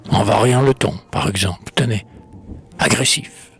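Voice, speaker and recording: An actor playing a proud, witty, mocking swordsman in a hammy, theatrical verse recitation, with a husky, gravelly voice. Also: fairly low pitch, normal speed, heavily acted. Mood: mocking, declamatory. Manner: hammy stage-actor declamation, switching tones with relish. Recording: music playing under the voice.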